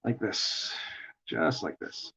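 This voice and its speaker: A man with a gravelly voice and a New York accent, chatting in a rambling way while he draws on a livestream. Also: slow, bright, forceful tone. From United States. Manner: chatty, rambling, chuckling often. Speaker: artist livestreaming a drawing session. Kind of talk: casual chat while drawing. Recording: dull lo-fi stream audio.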